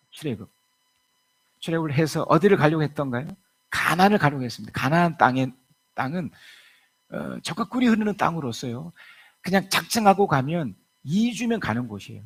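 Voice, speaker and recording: A middle-aged male pastor giving a Sunday sermon at a church service. He tells stories lively and acts out the voices of the people in his jokes. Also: on the high side, fairly quick, husky, rough recording.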